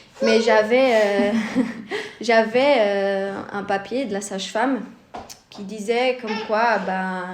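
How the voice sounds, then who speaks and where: A woman's fairly high voice at a very slow pace, fairly even in intonation, with big swings in loudness, long and frequent pauses, audible room echo and noticeable background noise. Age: 20s. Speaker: stay-at-home mother. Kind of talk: casual interview chat. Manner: hesitant, many fillers.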